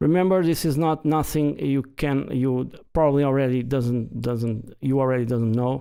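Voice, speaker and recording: This man has a dark, mellow tone at medium pitch and a moderate pace. He barely pauses and keeps his loudness very even. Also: ordinary pitch variation. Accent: non-native. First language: not English. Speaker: music producer. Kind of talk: tutorial. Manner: halting.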